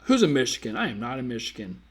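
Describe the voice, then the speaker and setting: A man's voice: medium pitch, very animated, fast, breathy edge. A man hosting a dating-advice live stream, casually reading viewer comments and teasing them in a playful, slangy way.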